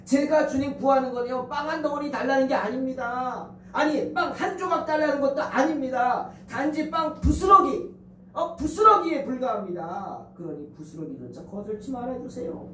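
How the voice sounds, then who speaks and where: A woman's voice: sits high, animated, moderate pace, a bit bright, a little hiss or hum, voice pushed up. A male pastor voicing a desperate mother who begs on her knees in an earnest, pleading way, heard in a roomy church hall from a distant mic. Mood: humble pleading.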